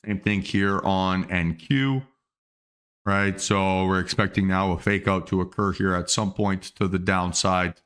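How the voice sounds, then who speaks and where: In live market commentary on his day trading livestream, a man thinks aloud about his trades in a casual way, with fillers, restarts and the hiccups. His low voice is steady, unhurried, clear and resonant, with a slightly bright tone.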